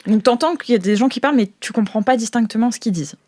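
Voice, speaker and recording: A woman narrating an improvised role-playing game as game master, informal and halting, often repeating her words. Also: on the high side, a little mellow.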